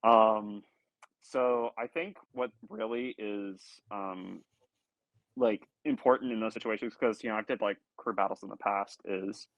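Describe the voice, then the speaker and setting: Young male student player, lowish voice, dry sound, halting answers with lots of ums. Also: fairly even intonation, no room sound, dull audio. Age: young adult. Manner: hesitant, many likes and ums. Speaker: college esports team player. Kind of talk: casual interview answers. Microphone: earbuds or headset on a call.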